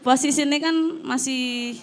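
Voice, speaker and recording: A hesitant audience member from Central Java with a Javanese accent asks a question. The voice is high, and a faint crowd can be heard around them. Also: fairly even intonation, unhurried. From Wonosobo, Central Java.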